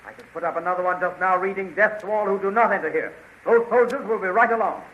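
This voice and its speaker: A man playing a bold young space hero in a 1930s radio drama, brisk and commanding. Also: high voice, lightly acted. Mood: determined. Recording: muffled, hissy 1930s radio recording.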